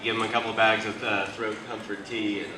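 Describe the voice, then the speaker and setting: A man's voice: fairly low pitch, little pitch movement, fast talker. A man, a voice director, answering questions on a convention panel in a rambling way full of fillers. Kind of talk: casual panel talk. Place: large convention panel room. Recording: echoey convention hall from far off. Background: crowd noise.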